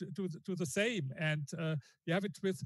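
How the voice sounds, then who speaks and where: The sound is dry and close with no echo as a man with a German accent speaks with ordinary pitch variation. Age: 60s. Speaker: author and historian. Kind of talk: interview. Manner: hesitant, repeats words.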